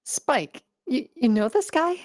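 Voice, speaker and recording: A woman's voice: sits high, lively intonation, takes it slowly, exaggerated voice. A woman voicing a brash, loyal young pegasus pony in a cartoon audio drama. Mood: uneasy.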